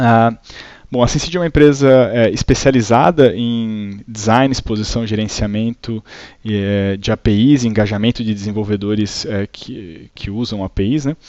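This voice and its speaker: A man with an interior São Paulo accent, medium pitch and ordinary pitch variation. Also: moderate pace. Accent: caipira accent of interior São Paulo. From interior of São Paulo state, Brazil. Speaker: company CEO presenting a webinar. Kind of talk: webinar presentation. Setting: online webinar. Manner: many filler hesitations.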